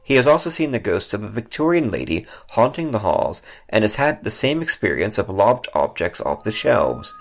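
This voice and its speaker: Low, gravelly man narrating with swooping pitch. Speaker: podcast host and author. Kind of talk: scripted narration of ghost stories and travel. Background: background music.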